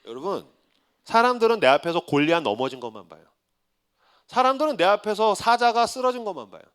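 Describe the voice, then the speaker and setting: A male pastor in his forties preaching a sermon, telling his story with humor and swinging from hushed confession to loud defiance. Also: high voice, big pitch swings, brisk, clean tone. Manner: swings from hushed tearful confession to shouted defiance, acting out his own prayers.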